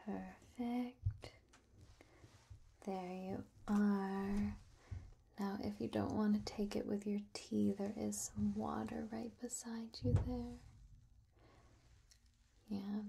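A young woman doing a soft-spoken ASMR roleplay as an apothecary, hushed and gentle, often close to a whisper into a near microphone. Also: mid-range voice. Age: young adult. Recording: clear background noise with clicks.

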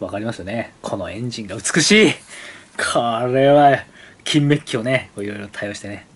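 A man's voice: medium pitch, expressive, slightly rough. A man hosting his motorcycle channel, chatting casually and rambling as he leafs through an old brochure, asking the viewer questions. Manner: reads brochure copy aloud slowly.

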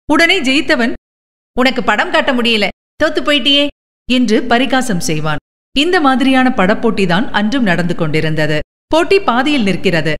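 A woman hosting a radio programme and reading out a short story in an expressive, animated way. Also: fairly high pitch. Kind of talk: scripted short story narration. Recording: long reverb on the voice.

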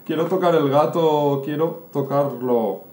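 A man's voice: a little high, unhurried, a little mellow, voice pushed up, close to an everyday voice. A man voicing a stubborn, whiny little boy who pleads with his mother, recorded in a roomy space. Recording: roomy room, faint noise.

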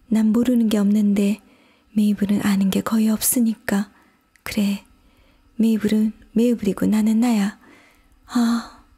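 A curious little girl in whispered role-play, as a woman puts her on, breathy and hushed, questioning herself in bewilderment. Her voice lifts well above a grown woman's own, light and girlish. The whisper is soft and airy, mellow rather than bright. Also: mid-range voice, pitched above the performer's own voice. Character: curious puzzled little girl, easily upset.

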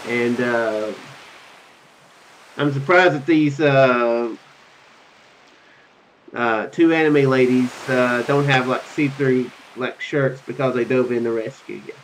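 A man in his thirties reading a visual novel aloud in an animated way, with casual commentary between lines. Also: medium pitch, slow, pauses often, a little hiss or hum, low-quality recording. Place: room at home. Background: game music.

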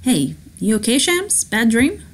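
A woman's voice: a little high, wildly swooping pitch, measured pace, voice pushed up, exaggerated voice. A woman reading the lines of a goofy, friendly young man, the best friend in a story game. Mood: concerned.

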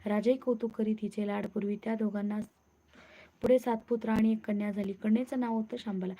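A woman reading a devotional vow story aloud in a steady, recited manner. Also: medium pitch, fairly quick. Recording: muffled lo-fi recording.

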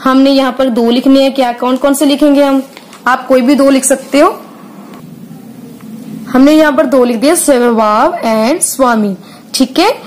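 A woman teacher goes slowly through a grade-school workbook, asking questions and answering them herself. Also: sits high, darkish tone, slight background noise, poor audio. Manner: patient, drawn out, asks and answers her own questions, frequent "theek hai". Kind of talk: slow classroom lesson explaining a workbook.

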